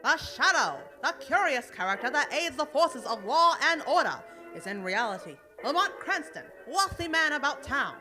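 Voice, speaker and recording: A narrator delivers scripted old-time radio mystery narration. Guitar music plays clearly behind the voice. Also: high voice, sing-song, normal speed, hardly any pauses.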